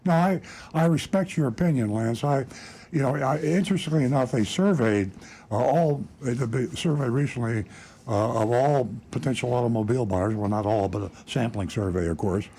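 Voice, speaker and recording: Older man hosting, mellow rambling talk. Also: mid-range voice, moderate pace, a little hiss or hum. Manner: folksy, rambling explanation. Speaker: host. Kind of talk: radio talk show chat.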